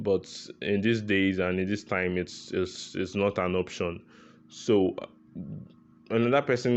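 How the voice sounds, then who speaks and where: A man's fairly low voice holds to fairly even intonation. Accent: strong Nigerian. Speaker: cybersecurity YouTuber. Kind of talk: unscripted talk to camera. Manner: careful enunciation.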